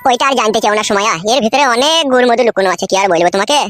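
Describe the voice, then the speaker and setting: A woman's voice: a little high, rapid-fire, fairly bright tone, soft background music, natural voice. A woman voicing a foul-mouthed, scheming young village husband in a cartoon comedy. He is crude and quarrelsome. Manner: crude, quarrelsome, wails when beaten.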